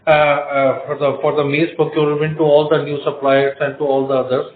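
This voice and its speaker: A man's voice: a little high, flat delivery, brisk, a little hiss or hum. This man. As a finance executive, he gives figures with many hesitations and fillers. The sound is roomy and squeezed through a phone line. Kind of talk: earnings call answers. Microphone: conference call phone line. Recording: echoey room over phone line.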